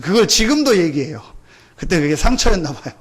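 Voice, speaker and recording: A man's voice: fairly high pitch, very animated, fairly quick, slightly rough. A male pastor preaching a Sunday sermon, asking rhetorical questions, answering them himself and building points by repetition. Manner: builds points by repeating phrases.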